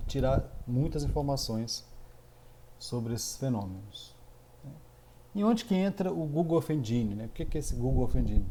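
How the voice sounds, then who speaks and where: Brazilian mineiro male professor, mid-pitched, rambling filler-laden lecture delivery, noisy recording. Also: warm tone. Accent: Brazilian Portuguese, mineiro. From Minas Gerais, Brazil. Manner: filler-heavy, frequent "né", loose explanatory pacing. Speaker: university computing professor. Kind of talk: recorded online course lecture.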